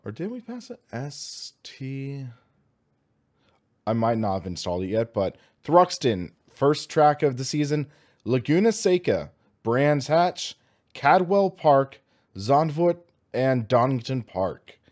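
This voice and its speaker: An American man in his twenties with a slightly hoarse voice, chatting casually and enthusiastically as he hosts a gaming livestream. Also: medium pitch, very animated, slow, darkish tone. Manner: upbeat, enthusiastic, informal. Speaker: host of a sim racing livestream.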